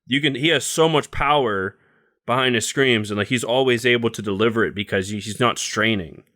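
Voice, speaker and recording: A young man with a middling pitch talks casually as a podcast co-host. He gives blunt, opinionated takes, loose and sweary, with "like" scattered through his sentences. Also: a little fast, pushed and bright. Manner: blunt, heavy use of "like", swears freely. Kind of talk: casual chat, opinionated music review.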